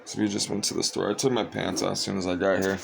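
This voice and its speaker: Tired man, flat monotone ramble. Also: sits low, fast, vocal fry, slight background noise. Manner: monotone, meandering, frequent fillers. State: tired, sleepy. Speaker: vlogger. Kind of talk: casual rambling vlog.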